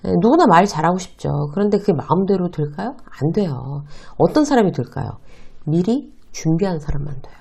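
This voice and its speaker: Woman giving a lively lesson with a gravelly voice. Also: fairly low pitch, a little fast. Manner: asks and answers her own questions; acts out short quoted exchanges. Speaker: workplace advice host. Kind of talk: talk-style lesson to viewers.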